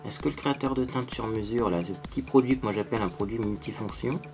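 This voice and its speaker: With music playing behind him, a man walks viewers through a makeup tutorial as a beauty vlogger, chatty and self-mocking, peppering his sentences with little asides. His voice is on the low side and he talks fast.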